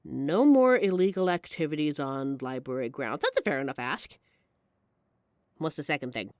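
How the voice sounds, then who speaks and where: A brash female mafia boss, acted by a woman in an audio roleplay, swinging widely in pitch. She is wry, flirty and apologetically charming, talking straight to the listener in a dry, close recording. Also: animated, normal speed, no room sound. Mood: amused, flirtatious.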